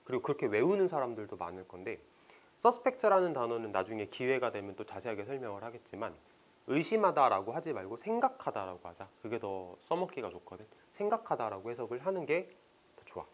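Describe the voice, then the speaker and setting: A man teaching an English exam passage, reading sentences slowly and explaining them line by line in casual speech. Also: mid-range voice, very animated.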